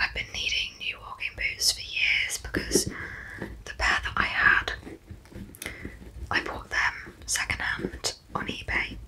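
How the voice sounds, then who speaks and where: A woman whispers in a British accent. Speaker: ASMR creator. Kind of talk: ASMR haul talk to camera. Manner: whispered. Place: home room.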